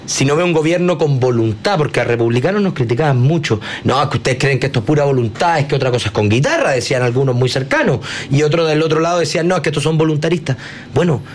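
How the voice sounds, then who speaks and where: A man's voice: on the high side, quick pace, a little hiss or hum. A Chilean man hosting a political talk show, giving his opinions in a conversational tone. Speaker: show host.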